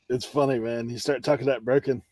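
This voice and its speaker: A man's voice: medium pitch, noisy background. A man chatting in a laid-back way and chuckling through his stories. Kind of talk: casual chat.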